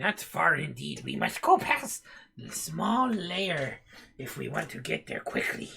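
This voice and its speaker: A man performs a put-on character voice that is raspy. He speaks at a fairly slow pace. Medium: actual play. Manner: broken grammar, halting repetition.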